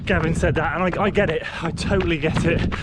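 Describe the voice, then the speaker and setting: Male runner-vlogger, chatty and upbeat, outdoor trail recording with noticeable background noise, slightly higher voice. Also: fairly even intonation, fast talker. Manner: upbeat, chatty, matter-of-fact. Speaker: running vlogger. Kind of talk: casual vlog talk to camera.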